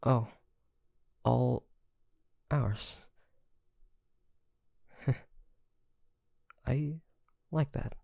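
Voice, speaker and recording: Slow, creaky, flirtatious pirate captain, acted out. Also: medium pitch, no echo, clean studio sound, full character voice. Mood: relieved, admiring. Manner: halting, breathy sighs and soft laughs, teasing. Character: ambitious pirate captain, teasing, flirtatious and easily flustered. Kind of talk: intimate ASMR roleplay acting.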